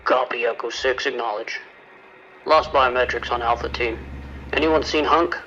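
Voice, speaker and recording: A man plays a brisk, tense command dispatcher in a radio drama. His medium-pitched voice is forceful and official. It arrives over a dull radio link. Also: slight background noise. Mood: tense, businesslike. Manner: clipped, official. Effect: military radio.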